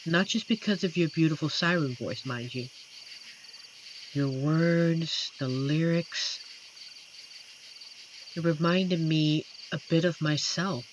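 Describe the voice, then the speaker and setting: A performer voicing an amiable, shy werewolf forest protector in a roleplay audio drama, speaking gently and hesitantly with earnest pauses. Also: mid-range voice, close to an everyday voice. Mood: tender. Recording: noisy track with night cricket ambience. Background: crickets and night forest insect ambience.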